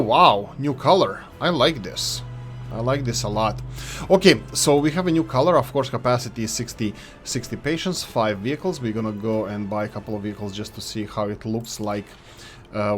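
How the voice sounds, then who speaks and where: Chatty man reviewing game mods. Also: on the low side. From Yugoslavia. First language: Serbo-Croatian. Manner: chatty and enthusiastic, often restarts words. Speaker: gaming YouTuber reviewing mods. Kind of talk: casual gameplay commentary.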